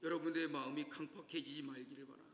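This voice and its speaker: A male pastor giving a sermon in a church, lively and often asking the congregation questions. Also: on the high side, fast talker. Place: church sanctuary. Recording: echoey church hall reverb.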